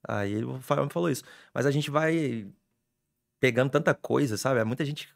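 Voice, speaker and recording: A young adult man, a sports reporter telling stories in an excitable, animated way on a casual podcast. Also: medium pitch, normal speed, creaky.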